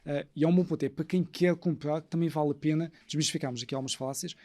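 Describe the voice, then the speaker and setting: Male expert guest, European Portuguese accent, fairly high voice, rapid analytical delivery. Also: fairly even intonation, mellow. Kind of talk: fast analytical discussion.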